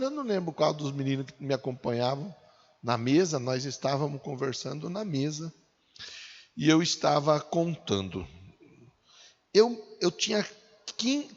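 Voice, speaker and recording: A Brazilian man in his forties preaching a sermon in a conversational way, asking his listeners rhetorical questions. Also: a little high. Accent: Brazilian Portuguese. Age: 40s. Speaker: pastor. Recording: dull, echoey hall.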